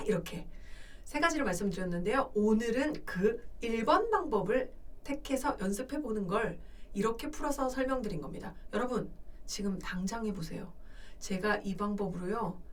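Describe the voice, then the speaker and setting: A woman's voice: mid-range voice, expressive, normal speed, recorded from a distance. A middle-aged woman vocal coach giving a lesson, explaining step by step and sometimes breaking into sung demonstrations.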